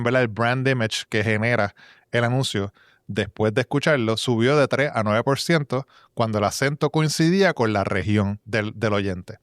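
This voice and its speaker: A man's voice: mid-range voice, dry recording, studio quality. A man co-hosting a podcast, chatting casually and thinking aloud with frequent restarts. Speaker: podcast co-host. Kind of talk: casual conversational podcast chat.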